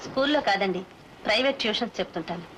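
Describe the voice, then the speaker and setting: A woman's voice: medium pitch, animated, rapid-fire, natural voice. An actress playing a polite, modest young woman who works as a private tutor. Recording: noisy old film soundtrack.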